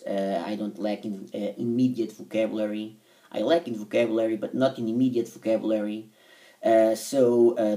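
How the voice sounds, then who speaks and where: A man speaks in a lowish, warm tone, pausing often as he works out what to say. His voice sits a little back from the mic, with some room around it. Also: far from the mic. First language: Portuguese. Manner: halting, thinks aloud with frequent pauses. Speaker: language-learning vlogger. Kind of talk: casual monologue to camera.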